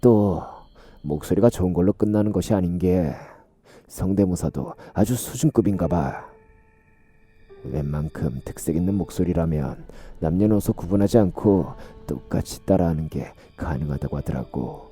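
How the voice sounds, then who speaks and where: Guy putting on a rough sneering detective, crude and menacing, low dark husky voice, horror radio story. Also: moderate pace, faint music behind. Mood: swaggering. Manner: coarse, swaggering, sneering. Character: crude, menacing middle-aged male detective.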